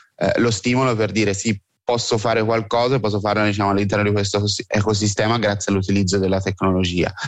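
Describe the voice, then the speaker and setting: The speech comes very fast, in a monotone, flat intonation, with very even loudness. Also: man, fairly low pitch for a man. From Tuscany, near Florence. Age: 30s. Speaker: startup founder. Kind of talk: radio interview.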